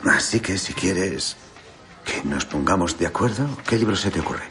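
A man's voice: low-pitched, expressive, normal speed, fairly bright tone, faint music behind. An actor playing a friendly male history teacher chatting casually with a colleague, in dubbed film dialogue.

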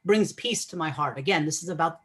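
Man, husky voice, earnest podcast guest, explains patiently, repeats himself mid-thought. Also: on the high side, brisk, pushed and bright. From Egyptian family, raised English-speaking. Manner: earnest, explanatory, repeats words while thinking. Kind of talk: podcast interview.

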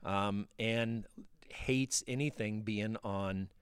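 A man's voice: on the low side, fairly even intonation, slow, clear, resonant tone, no echo. A middle-aged man co-hosting a podcast in casual chat, rambling with lots of fillers and restarts. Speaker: podcast co-host.

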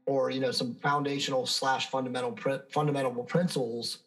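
A man's voice: medium pitch, flat delivery, brisk, fairly bright tone, low-quality recording. Confident man in his fifties, a fitness guest who lectures emphatically, mid-range voice. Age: 50s. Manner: emphatic, self-assured, lecturing. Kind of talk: conversational interview answers.

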